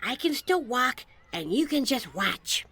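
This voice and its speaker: A woman's voice: a little high, big pitch swings, a little slow, sharp tone, exaggerated voice. A woman playing a teasing, impatient female demon who shares a fairy's mind, speaking in a sardonic, coaxing, conversational way for an ASMR audio roleplay. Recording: echoey, long reverb on voice.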